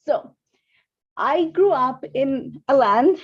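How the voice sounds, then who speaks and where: Speaking slowly and expressively in a high voice, a middle-aged Ecuadorian woman hosts a casual craft livestream from her home craft room. She rambles, chats and greets viewers by name. Audio comes through a phone and laptop setup, sounding dull and lo-fi.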